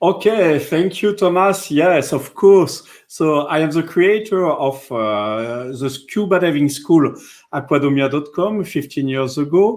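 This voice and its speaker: Speaking with a French accent, a man talks at a fairly slow pace. His voice is fairly high, with lively intonation. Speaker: scuba diving school founder. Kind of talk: live stream presentation. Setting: live video stream.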